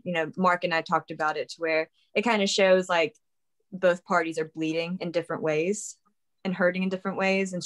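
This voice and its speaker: Lower-pitched woman in casual discussion. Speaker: show co-creator.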